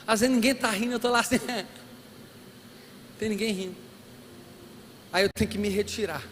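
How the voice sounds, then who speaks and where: A man preaching a sermon as a pastor, animated and humorous, acting out bits of dialogue. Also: sits high, normal speed. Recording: long hall reverb, faint room noise.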